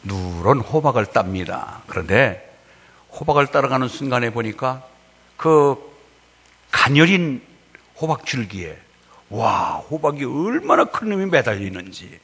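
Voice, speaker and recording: A male pastor preaching a sermon, telling a story with lively rhetorical questions. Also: medium pitch, a little slow, slightly rough, in a large hall.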